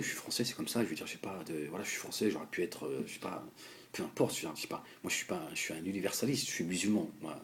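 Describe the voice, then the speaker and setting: Deep-voiced man in a heated monologue. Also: slight background noise. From France. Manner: animated, halting, repeats words, addresses the politician directly. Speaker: political commentator.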